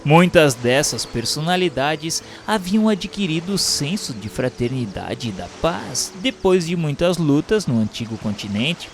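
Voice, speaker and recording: A man reads a scripted historical narration in a formal, declamatory way. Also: medium pitch. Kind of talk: solemn scripted narration of a spiritist history text. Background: music.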